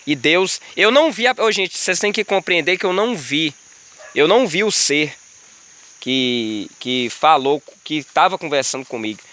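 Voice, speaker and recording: A man's voice: on the high side, lively intonation, normal speed, pushed and bright. A man, outdoors by a river in a rural area, earnestly telling viewers about a spiritual experience in casual, repetitive speech. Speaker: vlogger sharing a spiritual experience. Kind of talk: casual spoken testimony. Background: insects and crickets, running water.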